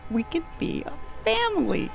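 A woman's voice: sing-song, vocal fry, soft background music, exaggerated voice. A woman voicing a frail, lonely, eager little boy with a shrieky, plaintive way of pleading, in an improvised roleplay audio drama. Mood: crooning, eager. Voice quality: high-pitched, shrieky. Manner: plaintive, drawn-out, repeating pleas.

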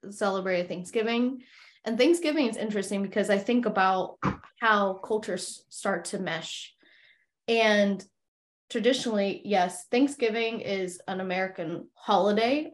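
A young woman hosts a casual podcast conversation. She talks in a loose, chatty way, restarting her sentences and filling pauses. Her voice sits in an ordinary middle range. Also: medium pitch. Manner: chatty, many fillers and restarts. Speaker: podcast host. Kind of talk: casual interview chat.

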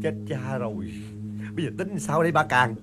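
A timid, terrified husband from a Vietnamese radio comedy, voiced by a man with a Southern accent. He stammers and cries out in fear, his pitch lurching up and down. Loud music runs beneath him. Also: sing-song, normal speed, close to an everyday voice. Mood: panicky. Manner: panicky, stammering, fearful exclamations.

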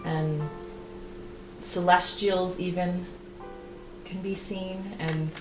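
A woman playing a tabletop game, speaking softly and earnestly in character and chatting with the table. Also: mid-range voice, little pitch movement. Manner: soft, earnest and slow in character. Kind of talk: in-character roleplay and table chat. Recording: echoey room with music underneath.

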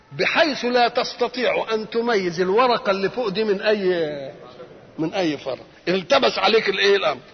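A man's voice: high-pitched, vocal fry, a bit bright, long reverb tail. An older man with an Egyptian Arabic accent giving a Quran commentary lecture, who keeps asking rhetorical questions and answering them himself. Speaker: religious scholar.

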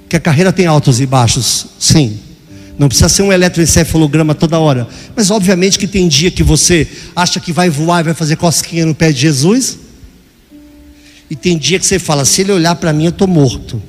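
An older man preaching a sermon as pastor, dramatic, acting out voices and sometimes shouting. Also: fairly high pitch, fairly quick, long reverb tail, faint music behind.

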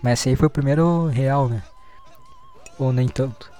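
A man's voice: medium pitch, measured pace, warm tone. Sarcastic, profane young man commenting on news. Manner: profane, sarcastic, laughs often. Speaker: streamer reacting to news. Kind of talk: casual commentary while reading news aloud. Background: faint music playing.

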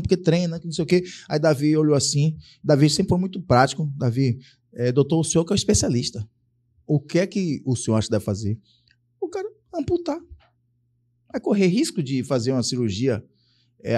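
Fast-talking animated Brazilian sergeant. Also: male voice, fairly high pitch. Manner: animated storyteller acting out dialogue, swears freely. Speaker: guest, police sergeant. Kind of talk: casual podcast chat, storytelling.

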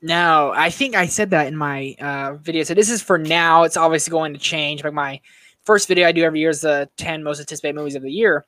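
A young man co-hosts a podcast in loose, animated chat, his voice a little high and bright. He talks in slang and laughs often. The sound is close and dry. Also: fairly quick, dry recording. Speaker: podcast co-host. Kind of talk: casual chat.

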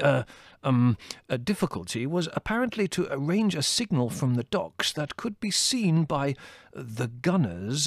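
A man voicing a gentle, scholarly older man who speaks haltingly, full of ums and uhs. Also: fairly high pitch, no room sound, studio quality, voice pushed up, heavily acted.

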